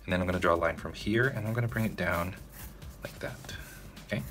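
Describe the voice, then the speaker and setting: Faint music sits behind a drawing tutorial host whose voice is low but bright and forceful. He narrates each step in a relaxed, casual way, talking right to viewers and often asking "okay?"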